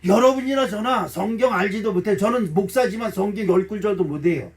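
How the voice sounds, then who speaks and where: A man's voice: high-pitched, brisk, distant mic. A middle-aged man preaching a sermon as pastor, folksy and emotional, acting out little dialogues and making blunt jokes to the congregation. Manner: blunt, joking asides to the congregation. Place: church sanctuary.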